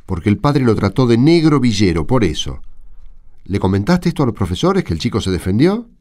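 A man's voice: fairly low pitch, sing-song, fairly quick, a little mellow. A man with an Argentine accent acting an indignant, argumentative catechism teacher in a radio drama. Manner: argumentative, emphatic. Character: indignant male catechism teacher defending a bullied pupil.

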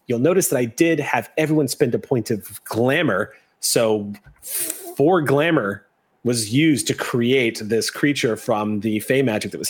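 A man's voice: medium pitch, breathy edge. Man hosting a tabletop game. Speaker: game master. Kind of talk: casual wrap-up talk after a tabletop game.

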